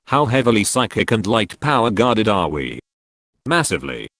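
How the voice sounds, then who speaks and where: A man's voice: on the low side, very animated, normal speed, fairly bright tone, no room sound, studio quality. A man reading social media posts aloud, speaking every handle and symbol out literally.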